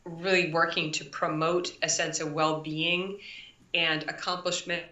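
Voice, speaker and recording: A woman's voice: low voice, flat delivery, unhurried, pushed and bright. A woman chiropractor on a live video call, coaching new practitioners in an emphatic way and acting out quotes. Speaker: chiropractor guest. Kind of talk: live online interview. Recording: echoey, distant, dull audio.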